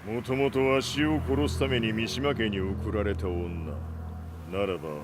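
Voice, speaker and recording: An actor playing a ruthless old male martial arts patriarch in a game cutscene, with gruff, archaic old-man speech. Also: lowish voice, brisk, noisy background, close to an everyday voice. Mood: grave. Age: older. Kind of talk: dubbed game cutscene acting.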